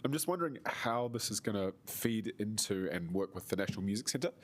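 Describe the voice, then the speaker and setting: A woman councillor with a slightly nasal voice asking a friendly, quick question. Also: a bass voice, expressive. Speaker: city councillor.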